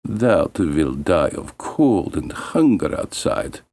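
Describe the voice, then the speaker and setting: Man voicing a slow, menacing wicked stepmother. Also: sits low, sing-song, a little mellow, full character voice. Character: cruel, scheming stepmother, bitter and commanding.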